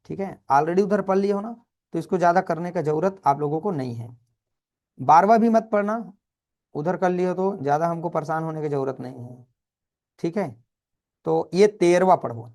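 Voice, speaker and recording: Brisk teacher. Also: male voice, on the high side, creaky, darkish tone. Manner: brisk, addresses students as children. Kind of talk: exam revision lesson.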